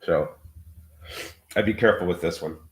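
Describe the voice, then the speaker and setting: A sick man whose voice sounds muffled, as if speaking through a wall, talking about trading in a halting way with many fillers. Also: low voice. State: sick, under the weather. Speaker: regular market commentator. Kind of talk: casual trading talk on a live show. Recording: roomy, muffled remote audio.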